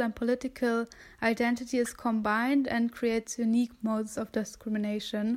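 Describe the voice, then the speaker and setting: On a very clean recording with a silent background, a woman speaks at a moderate pace in a high pitch with a German accent. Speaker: student podcast host. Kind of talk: scripted explanation.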